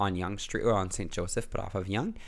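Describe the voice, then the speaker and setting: A man talks in an unremarkable speaking voice at a fairly low pitch. His intonation stays fairly even. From Canada, Simcoe County Ontario (French-Canadian family). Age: 30s. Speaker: drag performer. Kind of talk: casual interview.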